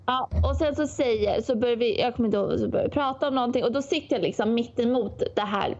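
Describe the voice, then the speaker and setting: A woman telling a story in casual chat, acting out what people said in an animated way. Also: on the high side. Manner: animated storyteller, acts out quotes. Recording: dull lo-fi sound.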